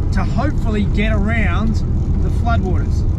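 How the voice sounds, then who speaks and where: Loud background noise surrounds a man speaking at a moderate pace, the sound itself dry with no echo. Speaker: car enthusiast vlogger. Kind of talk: casual vlog chat. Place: car. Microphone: phone near.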